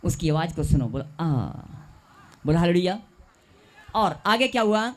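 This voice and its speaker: A man with a high-pitched voice preaches a sermon. He leads the congregation in call and response and repeats key phrases with drawn-out emphasis. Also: expressive. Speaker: pastor.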